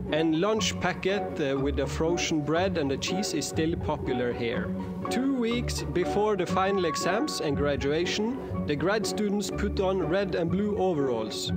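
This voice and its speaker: A man reading a comic scripted video narration in a deadpan, ironic way. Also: high-pitched. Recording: narration over loud music.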